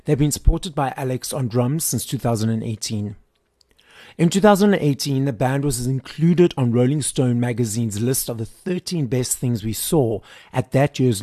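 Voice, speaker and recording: A man's voice: medium pitch, dark tone, no echo, studio quality. A man hosting an entertainment interview show, moving between scripted introduction and friendly questions. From South Africa. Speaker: podcast host and interviewer.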